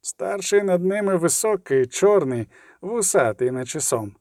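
A gloomy settler who answers in short, curt lines, as a male narrator gives him a voice. The delivery stays close and dry, with the pitch sitting fairly high and moving a lot. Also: animated, a little slow, a little mellow, no echo. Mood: sullen. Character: sullen male settler, terse and distrustful.

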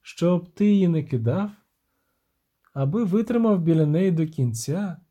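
A man's voice: fairly high pitch, expressive, unhurried, dark tone, voice pushed up. A man voicing a stern, regal female dryad queen who speaks reproachfully, as a storybook reading. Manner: reproachful, questioning.

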